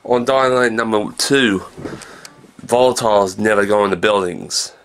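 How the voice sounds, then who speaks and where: Male vlogger, thirties, lowish pitch with heavy fry, casual and meandering delivery, shot handheld indoors. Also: a little slow, a little hiss or hum. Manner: low-key, meandering, jumps between everyday subjects. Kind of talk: casual rambling video diary. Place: small room indoors. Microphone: handheld camera at arm's length.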